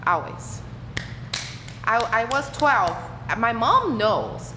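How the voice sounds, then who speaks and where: A woman's voice: a little high, very animated, takes it slowly. A young Brazilian woman with a Brazilian Portuguese accent, chatting as a guest musician in an interview, often restarting and laughing. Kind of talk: casual interview chat. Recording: echoey room with clear background noise.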